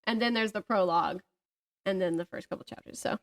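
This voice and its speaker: A woman's voice: mid-range voice, brisk. A woman in her thirties chatting casually about books as a podcast co-host, giggly and gushing. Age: 30s.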